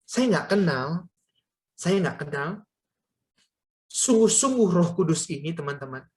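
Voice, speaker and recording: A woman's voice: lowish voice, lively intonation, unhurried, a little mellow. Woman preaching a storytelling sermon. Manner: storytelling, addressing listeners as friends. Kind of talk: sermon at a prayer meeting.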